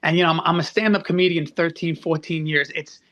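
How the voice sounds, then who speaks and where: A man's voice: fairly high pitch, steady tone, a little fast, fairly bright tone. A man in his thirties, a stand-up comedian, with a nasal voice, talking earnestly over a video call with many restarts. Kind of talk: casual interview chat.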